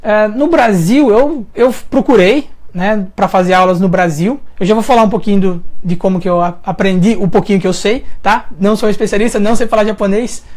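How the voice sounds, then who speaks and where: A woman's voice: medium pitch, a little mellow. A woman from Brazil with a Brazilian Portuguese accent, hosting a casual live chat, reading viewer questions and answering them while thinking aloud with frequent hesitations. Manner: addresses viewers directly, friendly and informal.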